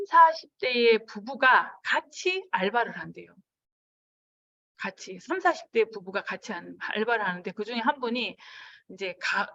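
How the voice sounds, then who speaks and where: A woman giving a business seminar lecture in an animated way, acting out the dialogues she describes. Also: mid-range voice, distant mic, lo-fi sound. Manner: animated, acts out quoted dialogue.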